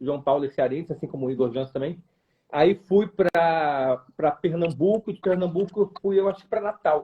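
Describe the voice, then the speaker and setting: A man speaks at a high pitch and moderate pace with ordinary pitch variation. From Niterói, Rio de Janeiro. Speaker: talk show host. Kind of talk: interview. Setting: live stream.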